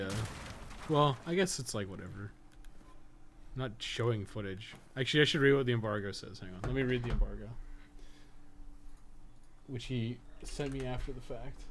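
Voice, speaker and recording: A man giving casual live gameplay commentary as a streamer, swearing casually. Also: mid-range voice. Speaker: game livestreamer. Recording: clearly noisy background.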